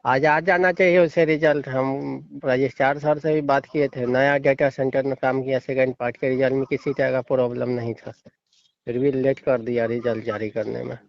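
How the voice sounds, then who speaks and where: A man's voice: mid-range voice, flat delivery, moderate pace, creaky. A man chatting casually in a recorded phone call, muffled in sound.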